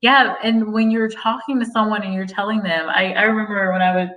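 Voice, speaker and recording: A chatty woman hosts a casual livestream and works through viewer comments while drifting onto tangents. Her voice is bright and clear. She sits slightly back from the microphone. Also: medium pitch, steady tone, fairly quick, recorded from a distance, low-quality recording. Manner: chatty, goes off on tangents, laughs often. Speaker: host of a career-advice livestream.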